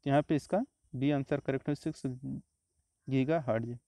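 A man, teaching exam questions step by step in a steady, explanatory way. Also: medium pitch, normal speed, no echo. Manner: steady explanatory, repeats answers, frequent "तो देखिए" and "आपका".

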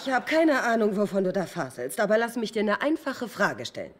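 A woman's voice: mid-range voice, very animated, a little fast, a little hiss or hum, natural voice. An actress playing a breezy, blunt female housemate in a dubbed sitcom, speaking in a wry, direct way.

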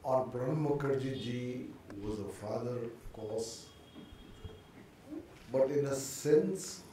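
Slow, measured older man in a hall. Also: mid-range voice, mellow, slight background noise. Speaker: panel speaker. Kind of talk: formal tribute speech. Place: large auditorium. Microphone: lectern mic, far camera. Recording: echoey hall from far off.

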